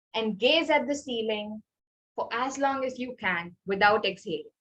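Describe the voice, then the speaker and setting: A woman with a high-pitched voice. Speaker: prepared speaker at a public speaking club. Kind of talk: prepared speech.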